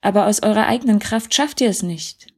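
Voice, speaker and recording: A woman voicing Jesus as a gentle, sorrowful grown man in a storybook reading, speaking softly and earnestly. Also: medium pitch, brisk, husky.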